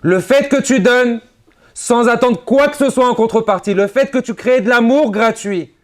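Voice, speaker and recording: A man, a rabbi, giving a conference sermon with emphatic rises and drops, mixing Hebrew religious terms into his speech. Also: normal speed. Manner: emphatic preaching, sudden rises and drops in pitch and loudness.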